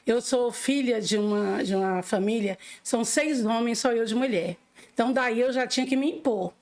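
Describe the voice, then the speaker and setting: A middle-aged Brazilian woman from Bahia, raised in Minas Gerais, with a Brazilian accent. Her voice sits fairly high, and she talks in an earnest, warm way, laughing readily as an interview guest. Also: normal speed. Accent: Brazilian Portuguese. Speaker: political candidate, interview guest. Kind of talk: casual interview talk.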